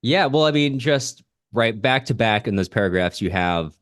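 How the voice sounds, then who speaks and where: A man's voice: medium pitch, expressive, moderate pace, no room sound, clean studio sound. A man co-hosting a literary podcast, explaining things informally with hesitant, self-correcting phrasing. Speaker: podcast co-host. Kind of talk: casual literary discussion podcast.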